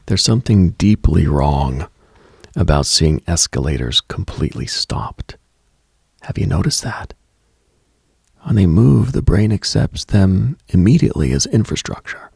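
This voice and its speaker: A man hosting a late-night mystical radio monologue in a hushed, husky, gravelly voice, deliberate and brooding, with pauses, close on the mic. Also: no room sound. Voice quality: husky, breathy, gravelly low voice.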